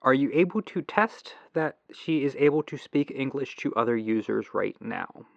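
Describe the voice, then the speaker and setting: A man playing a patient, earnest tech-support agent in a gentle, reassuring ASMR phone roleplay, through a lo-fi telephone filter. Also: medium pitch, expressive, normal speed, vocal fry, no room sound. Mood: helpful, calm. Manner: gentle, reassuring, apologetic, musing to himself. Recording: lo-fi muffled telephone sound.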